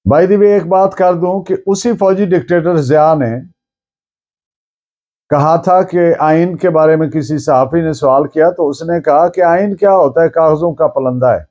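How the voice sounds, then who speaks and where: Pakistani guy lecturing, pretty high voice but soft dark tone, takes his time, drops in english words. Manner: deliberate, emphatic repetition, mixes in English terms. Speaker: law lecturer. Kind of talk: lecture on law, explanatory.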